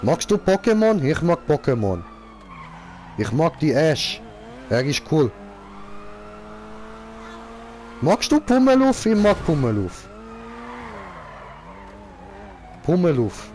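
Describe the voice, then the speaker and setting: A man's voice: fairly high pitch, sing-song, moderate pace, darkish tone, slight background noise. A young man playing a boastful, car-loving character who speaks in broken grammar and keeps repeating the same filler word, commenting on a game. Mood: goofy.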